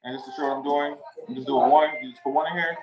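Quick-talking man cooking at home. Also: mid-range voice, steady tone, poor audio. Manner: explains each step as he works. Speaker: host cooking on a ministry call. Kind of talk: casual cooking walkthrough. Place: home kitchen.

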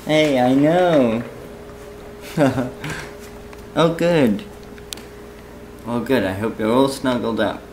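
A man speaking very slowly and tenderly, as if saying goodnight on the phone. A faint hiss sits under his voice. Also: medium pitch. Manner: soft, affectionate goodnight talk.

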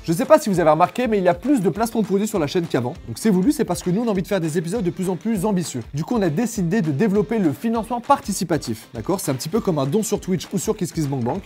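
A man in his thirties hosts with a rapid, teasing delivery, his voice sitting a little high. He jokes easily with his guest across a table in a small room. Faint music plays underneath. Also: lively intonation, dark tone. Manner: playful teasing, quick banter. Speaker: host. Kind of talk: casual joking chat.

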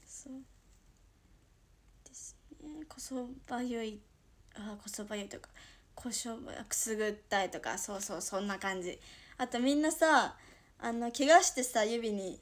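Young woman w a toyama dialect livestreaming, chatty, kinda high voice, goes quiet then loud answering comments. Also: moderate pace, long pauses. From Toyama, Japan. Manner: chatty, reacts to viewer comments, swings between soft murmurs and bright outbursts. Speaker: idol livestream host.

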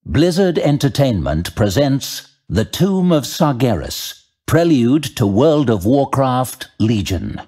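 A man narrating a scripted fantasy audio drama in a measured, theatrical, suspenseful way. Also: mid-range voice, sing-song, mellow, slightly rough.

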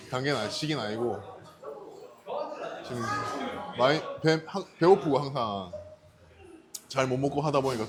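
A male bodybuilder speaking bluntly and dryly in casual chat between sets at the gym. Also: mid-range voice.

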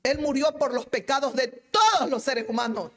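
A woman evangelist preaching a sermon, swinging between fervent shouting and soft, prayerful murmurs. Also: sits high, normal speed. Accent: Latin American Spanish.

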